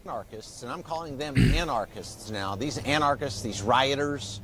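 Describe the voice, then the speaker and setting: A man giving an official briefing in a halting way, restarting his sentences, heard as a worn tape copy of a played clip. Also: medium pitch, expressive, crowd noise, low-quality recording. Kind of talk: press statement.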